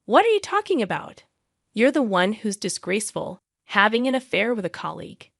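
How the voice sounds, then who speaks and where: A man's voice: high voice, brisk, vocal fry, bright, forceful tone, dry recording, clean studio sound, heavily acted. A woman reading the part of an angry, demanding husband. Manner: demanding, raised voice.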